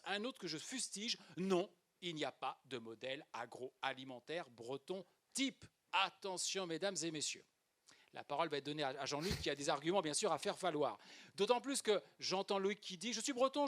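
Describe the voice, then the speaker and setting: A man's voice: on the high side, a bit bright. Talkative male panel moderator. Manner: wordy, hesitant, rhetorical flourishes. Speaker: round-table moderator. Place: conference hall.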